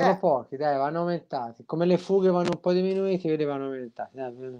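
The speech comes at a very fast pace, dark and mellow in tone, with ordinary pitch variation. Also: man. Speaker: co-host. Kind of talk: casual chat, live reaction. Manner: casual, opinionated, laughing. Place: home room. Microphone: video call.

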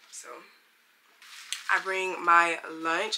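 The speaker is a woman with a fairly low pitch. Light background noise can be heard. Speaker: lifestyle vlogger. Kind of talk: casual vlog chat. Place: home room. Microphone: camera far.

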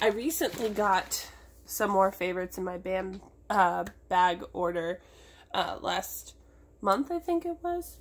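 A woman talks very slowly while light noise sits in the background. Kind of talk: casual product review chat. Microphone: phone near.

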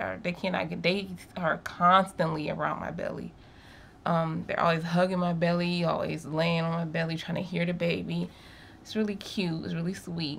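A woman's moderate-paced speech sits over light background noise. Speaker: pregnant mother vlogger. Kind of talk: casual vlog chat. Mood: worried, then warm and fond. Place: home room. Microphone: webcam.

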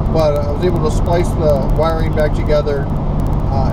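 Loud background noise fills the recording. A man speaks over it at a moderate pace. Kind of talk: casual vlog chat. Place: car. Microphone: camera far.

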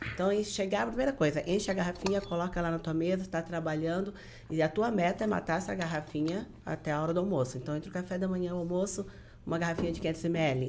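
Over noticeable background noise, a woman talks at a very fast pace. Her pitch is fairly low, with ordinary pitch variation. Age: 40s. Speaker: sports nutritionist; guest. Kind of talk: casual chat. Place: studio. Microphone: studio mic.

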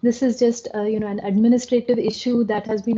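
A woman with an Indian accent speaks fairly quickly in a monotone, flat intonation. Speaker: data journalist and author; data journalist. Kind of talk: presentation. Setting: video call. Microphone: video call.

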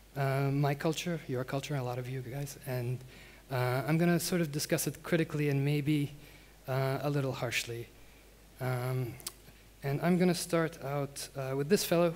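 At a moderate pace, a man delivers his words with fairly even intonation. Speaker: conference speaker. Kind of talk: lecture. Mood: relaxed, humorous. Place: stage. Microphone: headset.

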